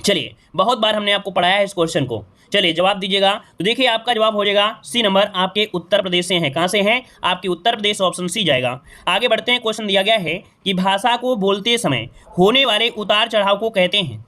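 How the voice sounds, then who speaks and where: A man's voice: high-pitched, pushed and bright. A young man, teaching an online exam-prep class, asking questions aloud and then answering them himself. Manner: repetitive, asks and answers his own questions; talks straight to students, greets them.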